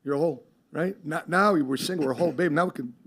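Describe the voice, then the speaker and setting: A man hosting a podcast in casual chat, rambling with many fillers and quick laughs. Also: fairly high pitch, a bit bright, slightly rough. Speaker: podcast host.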